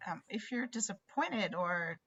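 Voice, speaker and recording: Bright, hesitant young woman acted by a woman. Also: mid-range voice, expressive, lo-fi sound. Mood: flustered, hesitant. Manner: hesitant, halting. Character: awkward, sincere young woman Max, actress's daughter. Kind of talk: screenplay table read.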